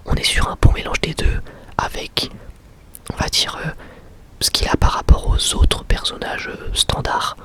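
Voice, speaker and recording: A young adult man gives an informal, slangy ASMR review in a breathy, unvoiced whisper. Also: a little slow, sharp tone. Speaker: ASMR creator and anime reviewer.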